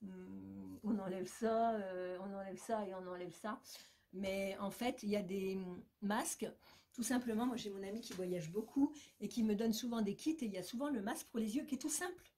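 A woman's voice: medium pitch, normal speed, dark tone. A woman chatting casually and enthusiastically through a beauty box unboxing, full of fillers and asides. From France.

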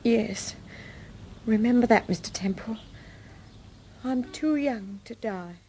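An actress playing a worried, evasive young nightclub hostess in a radio drama, with a British accent. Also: female voice, on the high side, slow, dark tone, a little hiss or hum. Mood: frightened.

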